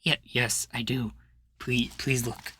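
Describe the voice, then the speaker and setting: A man's voice: mid-range voice, flat delivery, slow, bright, forceful tone, slight background noise. A man playing an earnest, indignant young radical activist as a podcast guest in an ASMR roleplay, pleading and insistent.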